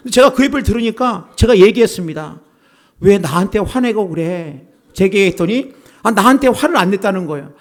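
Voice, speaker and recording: A man as pastor giving a Sunday sermon, preaching earnestly and often turning to speak straight to his congregation. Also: sits high. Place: church service.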